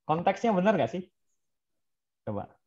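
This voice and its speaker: A man's voice: high voice, very animated, normal speed, a little mellow. Brief: male trainer, keeps asking the class questions, drops in English example lines, dull lo-fi audio. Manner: quizzes trainees, mixes in English example phrases. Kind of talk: interactive online class.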